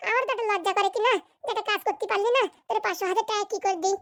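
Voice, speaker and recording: A woman's voice: extremely high pitch, fairly even intonation, very fast, a bit bright, no room sound, studio quality. A woman voicing a bossy, foul-tempered, scheming village woman in a comic cartoon, scolding and threatening in a rural Bengali dialect. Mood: grudging.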